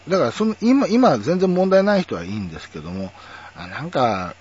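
A man's voice: a little high, very animated, brisk, darkish tone, breathy edge. A man talking in a casual, musing monologue, full of fillers and asides. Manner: chatty, musing, lots of fillers. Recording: dull lo-fi audio.

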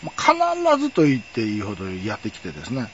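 A man's voice: lowish voice, a little fast, dull audio, slight background noise. A middle-aged man telling a personal story in a wry, chatty way. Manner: wry, chatty, lively intonation. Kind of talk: casual storytelling monologue.

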